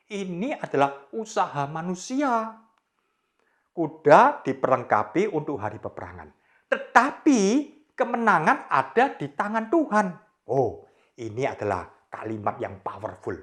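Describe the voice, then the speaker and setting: Animated woman telling a Bible story. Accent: Indonesian. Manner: dramatic, exclaiming, swooping pitch. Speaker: Sunday school teacher.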